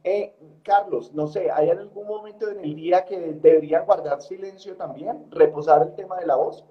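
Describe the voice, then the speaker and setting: Brief: high male interviewer, casual musing questions, muffled lo-fi sound. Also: moderate pace. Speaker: interviewer, presenter.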